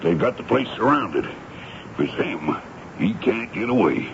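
An actor playing a dutiful, plain-spoken sergeant, deferential and folksy, in a 1970s radio drama. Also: male voice, on the low side, big pitch swings, measured pace, creaky, heavily acted. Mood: urgent reporting. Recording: muffled, lightly noisy 1970s radio recording.

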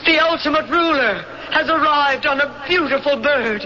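A woman's voice: high voice, normal speed, sharp tone. An actress playing a female interrogator and secret rebel in a radio drama, solemn, insistent and declamatory about her prophecy. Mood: commanding, exultant. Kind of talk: 1970s radio drama acting. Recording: dull, noisy old radio broadcast.

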